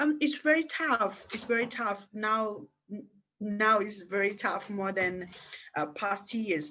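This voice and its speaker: Speaking at a very slow pace, a woman keeps a medium pitch with lively intonation. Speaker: investigative journalist. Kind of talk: panel discussion. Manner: halting.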